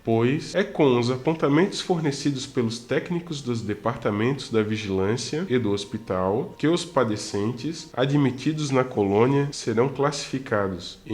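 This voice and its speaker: A solemn priestly spirit mentor from a radio drama, voiced by a man. He speaks slowly and gravely, like a patient teacher, in a mid-range voice. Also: mid-range voice, lightly acted. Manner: measured, grave, explanatory. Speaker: mentor character.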